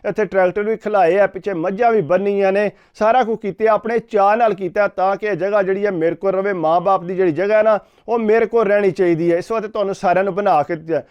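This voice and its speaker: A man's voice: high-pitched, fairly even intonation, quick pace, hardly any pauses, darkish tone, clear, resonant tone. A man, vlogging as he retells someone's story in casual storytelling, framing every sentence with "he said". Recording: dull lo-fi recording.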